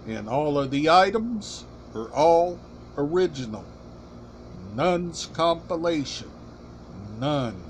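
A middle-aged man hosting a casual collection vlog, talking deliberately in short, halting, emphatic phrases. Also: fairly high pitch, lively intonation, a little hiss or hum. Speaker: collection channel host. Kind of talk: casual show-and-tell vlog. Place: small room indoors.

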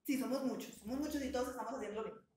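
A woman teacher gives a bilingual English lesson with a patient, encouraging manner. She slows down and draws out words so learners can copy their pronunciation. Her slightly high voice rings in a roomy, echoey space. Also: a little mellow, a little hiss or hum. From Colombia. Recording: echoey room sound.

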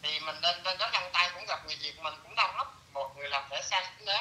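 A middle-aged man telling a story in a casual, lively way, slipping into broken English phrases. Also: high-pitched, fast talker, slight background noise, rough recording. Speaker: interviewee.

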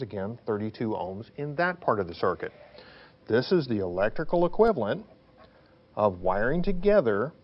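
A man's voice: medium pitch, lo-fi sound. A man teaching as a technical instructor, explaining worked examples step by step in an emphatic, didactic way, often posing questions and answering them.

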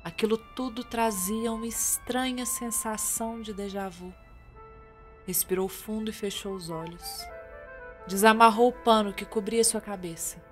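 A woman's voice: medium pitch, measured pace. A Brazilian woman narrating a scripted radio drama as a theatrical storyteller. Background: music with guitar.

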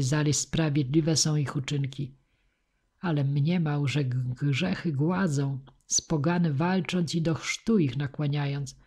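Woman voicing young knight, earnest, husky, audiobook. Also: sits low, mellow. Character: young impassioned male knight.

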